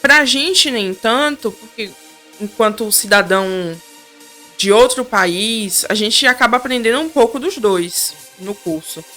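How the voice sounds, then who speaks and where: A woman's voice: on the high side, lively intonation, unhurried, pushed and bright, soft background music. A Brazilian woman guest on a podcast, giving short, frank opinions in casual chat. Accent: Brazilian Portuguese.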